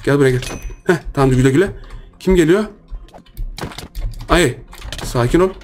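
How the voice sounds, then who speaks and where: Excitable young man commentating a game. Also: on the high side, slight background noise. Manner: lively, playful, repeats words rapidly, exclaims often. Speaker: gaming YouTuber. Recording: faint music behind.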